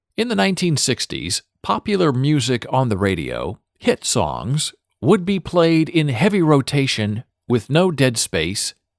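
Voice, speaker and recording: At a fairly slow pace, the speaker uses very wide pitch swings in an American accent. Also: man. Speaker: former radio DJ. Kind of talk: educational narration to camera.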